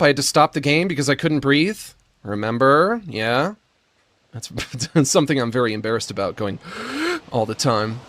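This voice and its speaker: Squeaky-voiced man slurring and gasping. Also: fairly bright tone, no echo. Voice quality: slurred, lisping, stammering speech. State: short of breath, gasping before sentences. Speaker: streamer. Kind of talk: prerecorded monologue.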